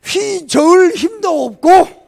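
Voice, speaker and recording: High-pitched gravelly male pastor preaching. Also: lively intonation, slow. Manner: fervent preaching, swinging from shouts to quiet asides. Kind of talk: sermon. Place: church sanctuary.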